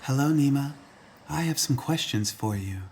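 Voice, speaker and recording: A man's voice: medium pitch, expressive, moderate pace, a little mellow, a little hiss or hum, pitched above the performer's own voice, lightly acted. A man voicing a curious, determined woman scientist with an informal, questioning manner.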